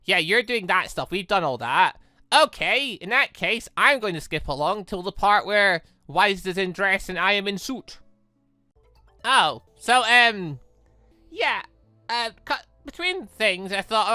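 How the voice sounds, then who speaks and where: Animated man rambling through game commentary. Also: sits high, normal speed, no echo, faint music behind. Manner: rambling, self-interrupting, playful sound effects. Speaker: gaming video host. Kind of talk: casual let's-play commentary, reading dialogue aloud.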